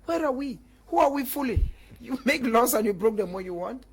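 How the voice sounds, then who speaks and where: Woman on a panel, husky voice, indignant and emphatic. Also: a little high, animated, brisk. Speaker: panel guest. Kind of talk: heated debate.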